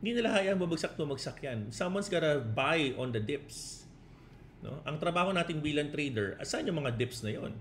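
A man's voice: fairly high pitch, expressive, moderate pace, a bit bright, slight background noise. A man, a crypto trading coach on a casual live stream who mixes Tagalog and English, reads out chat comments and keeps tagging his points with 'no?' and 'di ba?'.

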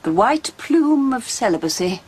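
An actress playing a composed, dryly witty senior nun in a radio drama, with a husky voice and measured authority. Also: female voice, on the high side, big pitch swings, a little mellow, a little hiss or hum.

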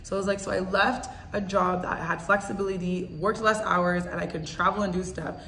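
A woman's voice: on the low side, steady tone, fairly quick, fairly bright tone, roomy sound. A young woman from Canada in casual conversation as an interview guest, chatty and laughing often.

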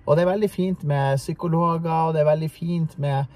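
A man's voice: a little high, fairly even intonation, darkish tone. A man co-hosting a faith talk, speaking in an earnest, preaching tone. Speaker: co-host. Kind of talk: faith discussion.

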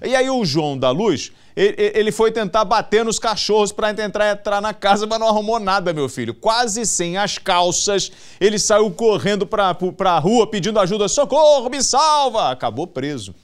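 Smooth-voiced man recapping the news. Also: high-pitched, expressive, moderate pace. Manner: colloquial, stumbles and repeats words. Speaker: TV news presenter. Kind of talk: casual spoken news recap.

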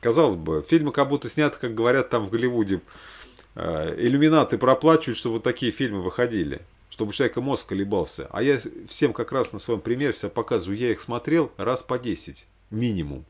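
A man's voice: mid-range voice, expressive, quick pace. A man in his forties talking casually and unscripted, rambling and thinking aloud with hesitant asides. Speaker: religious vlogger recommending films. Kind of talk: casual, unscripted chat to camera. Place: small room at home, indoors.

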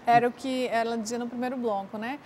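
A woman hosting a faith-based morning talk show, her voice sitting a little high. She guides the conversation and steps in to complete her guest's thoughts. A faint hiss runs under the studio sound. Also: steady tone, fast talker. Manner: interviewing, prompting and finishing the guest's sentences.

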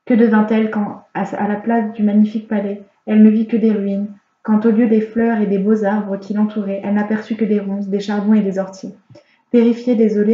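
A woman reading a fairy tale aloud as an audiobook reader, in a calm, measured storytelling manner. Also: mid-range voice. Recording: roomy, slightly dull home recording.

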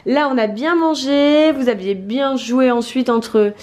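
A woman's voice: high voice, measured pace. Chatty French mother filming her kids. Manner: chatty, tender toward children, softens to a hush at bedtime. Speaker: vlog host, mother filming. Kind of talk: casual family vlog narration. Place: hotel rooms and game room, indoors.

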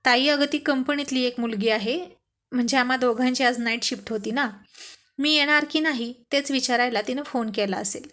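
A woman's voice: high-pitched, moderate pace, fairly bright tone. A woman reading the lines of a nervous young man who dodges his sister's questions, in a story reading. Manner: nervous, defensive.

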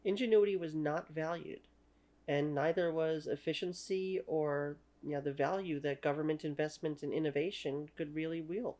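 A woman's voice: sits low, steady tone, moderate pace, mellow. Canadian woman, 30s, french first language, history lecture, opinionated, lots of fillers, home desk recording. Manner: opinionated, many "you know" fillers. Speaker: history channel host. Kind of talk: talking-head history lecture. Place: small room at home.

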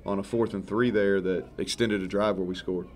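A man's voice: low-pitched, a little fast. A man in his thirties, a head football coach, giving rambling, frank post-game answers at a press table full of microphones. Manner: rambling, self-correcting, relaxed and frank. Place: press conference room in front of a sponsor backdrop. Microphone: several table microphones in front of him.

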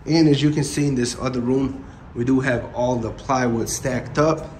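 A man's voice: mid-range voice, fairly even intonation, moderate pace, a little mellow, a little hiss or hum. Matter-of-fact man in echoey empty house. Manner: plain, matter-of-fact, explaining step by step. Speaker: real estate investor vlogger. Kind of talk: walkthrough narration of a renovation. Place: empty house under renovation, indoors.

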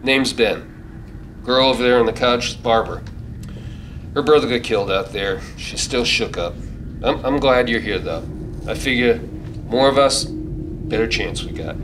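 A man's voice: mid-range voice, moderate pace, long pauses, background noise, lightly acted. A man playing a defiant, blunt survivor taking charge in a radio play. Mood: gentle, subdued. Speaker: actor in a staged radio play. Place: theater stage. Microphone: stand microphone. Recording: music behind, live stage.

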